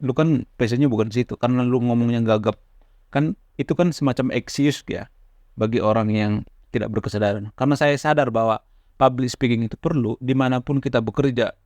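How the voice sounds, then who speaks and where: A man talks casually to camera as a YouTube host, in an average-pitched voice. He stammers now and then, breaking off and restarting words. The sound is dry and close, with no room around it. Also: a little mellow, no echo. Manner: stammers at times, restarts words, conversational fillers. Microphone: camera mic, close.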